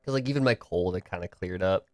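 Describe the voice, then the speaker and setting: A young man with a fairly low voice talks loosely to his stream, slightly stuffy and nasal from a lingering cold. He rambles and restarts his sentences, his voice still a little tired from the morning. Faint music plays behind him. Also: fast, a little mellow, no room sound, studio quality. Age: young adult. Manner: rambling, filler-heavy, restarts often. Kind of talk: casual solo chat to a live stream.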